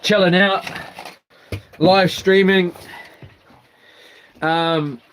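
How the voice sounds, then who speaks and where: A man with a broad New Zealand accent talks casually to his stream, half muttering to himself in loose slang. His voice sits a little high and he takes his time between phrases. The recording has some background noise and clatter. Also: fairly even intonation, drawn-out words, a bit bright. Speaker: live streamer. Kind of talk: casual vlog chat, talking while tidying.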